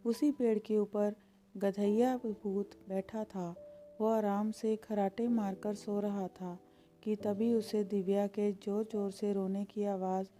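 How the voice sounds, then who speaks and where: A woman narrating a children's moral story in a calm, scripted storytelling manner. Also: mid-range voice, slow.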